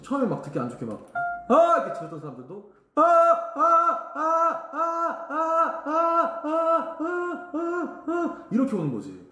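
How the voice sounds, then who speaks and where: Blunt male vocal coach lecturing at a rapid clip in an echoey studio, voice a touch high. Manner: blunt, emphatic, sings short demo phrases. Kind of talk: vocal lesson talk to camera.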